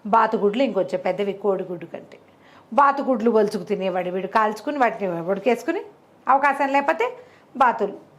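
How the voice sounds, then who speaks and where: A woman telling a folk tale in a colloquial, conversational way, with animated asides. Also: medium pitch, a little fast. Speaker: storyteller. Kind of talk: conversational oral storytelling of a folk moral tale.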